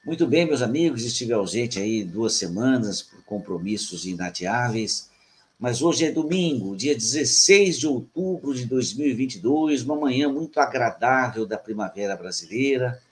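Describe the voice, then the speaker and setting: Brazilian guy hosting a call-in style talk show, pitch jumps around a lot, formal greetings. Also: animated. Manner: warm formal greetings, reads prepared text slowly. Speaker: host.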